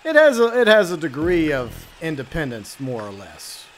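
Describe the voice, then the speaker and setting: A streamer man chats loosely while playing, full of fillers and side remarks. His voice sits somewhat high for a man. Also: huge pitch swings, normal speed, slight background noise. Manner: rambling, chatty, many fillers and asides. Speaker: streamer host. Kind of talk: casual live-stream gaming chat.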